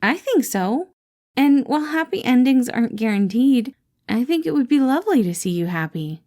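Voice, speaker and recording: Woman voicing a gentle, upbeat male boss. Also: high-pitched, big pitch swings, moderate pace, pitched above the performer's own voice. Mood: caring. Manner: bright, gentle and encouraging. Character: kind, caring male bakery boss, cheerful.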